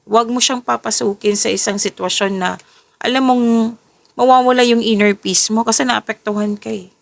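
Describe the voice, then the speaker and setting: A woman's voice: on the high side, fairly even intonation, normal speed, creaky, dry recording. A tired woman giving a casual tarot reading, often stopping to correct and rephrase herself. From Philippines. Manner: self-correcting, restarts and rephrases as she goes. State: tired, voice a little off. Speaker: tarot reader. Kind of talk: casual tarot reading, mixing English and Tagalog.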